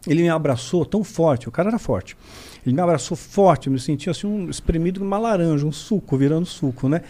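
Brief: Brazilian man, higher voice, lively storyteller who acts out every quote. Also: quick pace. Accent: Brazilian Portuguese. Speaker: podcast guest. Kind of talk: casual storytelling.

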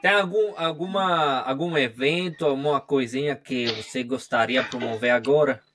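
A man's voice: mid-range voice, moderate pace, a bit bright. A man from Puerto Rico with a Spanish accent, hosting a podcast interview in Portuguese as a second language, with short affirming replies. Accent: Puerto Rican Spanish. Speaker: podcast host, historian.

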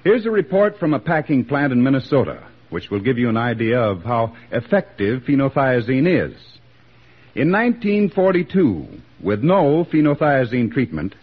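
A man delivering a formal, measured radio commercial as a sponsor's spokesman, in a 1940s broadcast. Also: mid-range voice, animated, breathy edge, phone-quality sound.

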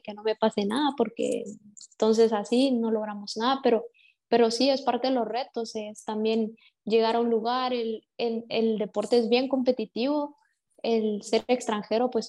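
A young woman footballer from Guatemala with a Guatemalan accent, giving measured, reflective interview answers with frequent restarts. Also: on the high side, mellow. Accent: Guatemalan Spanish. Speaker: professional footballer, interview guest.

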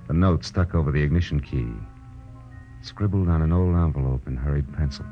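Hardboiled american 1940s radio gumshoe, real deep voice, dry and wistful, loud music behind. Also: male voice, a little fast. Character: hard-boiled male private detective, wry, quietly wistful. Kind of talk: 1940s radio detective acting, first-person narration. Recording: muffled vintage radio broadcast, prominent music.

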